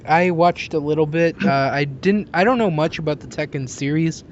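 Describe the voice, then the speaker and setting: Higher-pitched man hosting a casual podcast. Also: normal speed. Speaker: podcast host. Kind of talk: casual chat. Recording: dull lo-fi voice chat, noisy.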